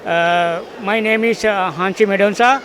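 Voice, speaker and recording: High-pitched Sri Lankan man, broken English. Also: unhurried, a bit bright. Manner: broken English, many fillers. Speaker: tournament organizer. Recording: faint outdoor street noise.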